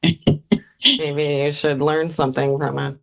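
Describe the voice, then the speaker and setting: Woman, low voice, podcast co-host, casual chat, blunt, swears a lot. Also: level tone, takes it slowly, gravelly, muffled recording. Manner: blunt, profane, laughs often.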